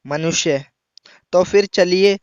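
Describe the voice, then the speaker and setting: A man reading comic one-liners and anecdotes in a brisk storytelling way. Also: sits high, lo-fi sound, heavy background noise. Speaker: joke narrator. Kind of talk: scripted comic joke reading. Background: music.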